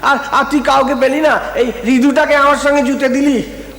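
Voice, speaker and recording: A man's voice: very high voice, steady tone, normal speed, a bit bright. An actor playing a devout, childlike temple priest who talks tenderly to the goddess and repeats his words. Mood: fond, weary. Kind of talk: TV period drama acting. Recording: roomy hall reverb, faint hiss.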